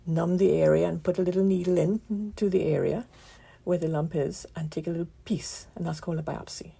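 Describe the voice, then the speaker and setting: A woman physician giving a radio interview, with a croaky voice from a damaged vocal cord nerve, explaining things calmly with many pauses. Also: lowish voice. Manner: calm, explanatory, pauses often.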